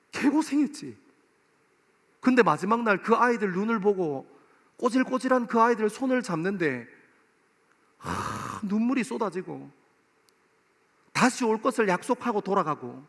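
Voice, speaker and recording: High-voiced, animated male preacher in a reverberant hall. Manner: impassioned, addresses listeners directly with rhetorical questions. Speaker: pastor preaching to a young adult congregation. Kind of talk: sermon. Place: church worship hall, live service. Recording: long hall reverb of a worship room.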